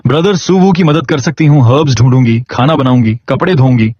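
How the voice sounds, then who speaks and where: A man's voice: medium pitch, brisk, a little mellow, husky, no room sound, dull audio, lightly acted. A man voicing a shy, eager twelve-year-old girl in a storybook recap, in a raised, pleading voice. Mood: eager, timid.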